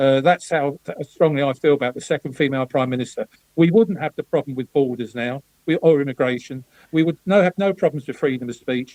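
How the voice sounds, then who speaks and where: A man with an English accent speaks at a fairly quick pace. His pitch is fairly high, with ordinary variation. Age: 70s. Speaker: motoring campaigner and former political candidate. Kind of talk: casual chat. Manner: halting, repeats words.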